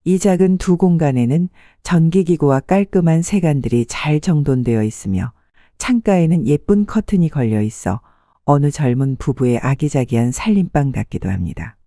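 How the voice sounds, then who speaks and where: Calm audiobook narrator telling a story in first person, mellow warm tone, dry close mic. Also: medium pitch, moderate pace, no room sound. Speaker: channel host and narrator.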